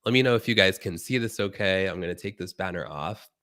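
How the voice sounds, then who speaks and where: Hoarse low-voiced man with a cold. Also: fast, sharp tone. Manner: chatty, addresses viewers directly. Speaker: live stream host. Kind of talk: casual live stream tutorial.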